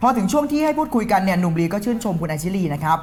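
A man's voice: high voice, sing-song, racing, darkish tone. A man hosting an entertainment news show, reading the gossip and teasing his co-host in a playful, chatty way. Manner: playful, teasing, uses polite particles. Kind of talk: fast casual showbiz news chat.

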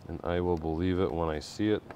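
A man's voice: low voice, fairly even intonation, quick pace, warm tone, slight background noise. A middle-aged man hosting a live building stream, chatting casually, reading viewer comments and laughing easily. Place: indoor workshop room.

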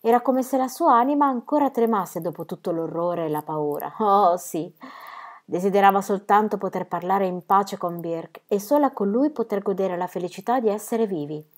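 A woman reads a children's novel aloud in an expressive storytelling voice. She builds in force and height through the emotional passages, then eases back down to a calm, even telling. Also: mid-range voice, normal speed. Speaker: audiobook reader. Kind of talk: scripted narration of a children's novel.

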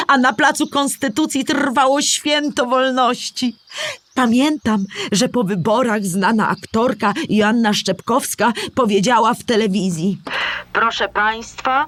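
A woman's voice: fairly high pitch, fairly bright tone, no echo. A woman playing a storyteller who explains history to a child in a scripted children's audio play.

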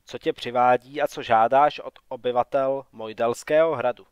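A man voicing a wary young noble prince in an audiobook, speaking quietly. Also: mid-range voice, steady tone, clear, resonant tone, dry recording, dull audio, natural voice.

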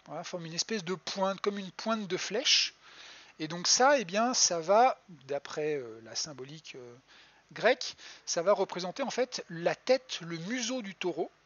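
Man, fairly high voice, husky, planetarium educator, chatty with fillers, muffled home stream. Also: animated, a little slow, fairly bright tone, no echo. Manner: chatty, hesitant, many fillers and restarts. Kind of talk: live-streamed astronomy lesson. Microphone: home computer mic.

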